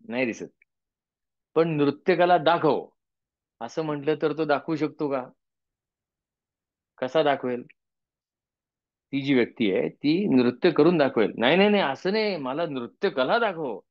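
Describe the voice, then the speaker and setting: A man teaching Sanskrit chanting, explaining verses conversationally with homely examples and reciting slowly. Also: medium pitch, no echo, muffled recording. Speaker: teacher of Vishnu Sahasranama chanting. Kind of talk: spiritual lesson with chanted verses.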